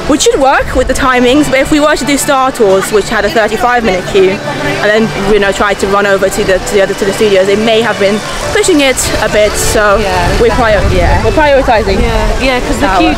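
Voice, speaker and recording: Clear music plays behind a woman who talks at a fairly quick pace with ordinary pitch variation. The sound is dry, with no echo. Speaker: travel vlogger. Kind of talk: casual vlog chat. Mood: cheerful, friendly. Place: street. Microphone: phone near.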